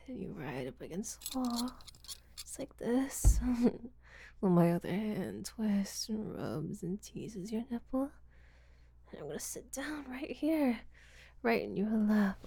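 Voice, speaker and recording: A woman playing a breathy, giggling seductress. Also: mid-range voice, mellow, heavily acted. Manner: breathy whispering, frequent giggles, teasing. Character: teasing, domineering seductive woman, rough-handed. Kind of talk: audio roleplay.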